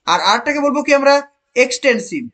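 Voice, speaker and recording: A high-pitched teacher leads an online exam-prep class. The voice asks students question after question, repeats the key answers and praises pupils by name. English options are read out slowly. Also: animated, fairly bright tone.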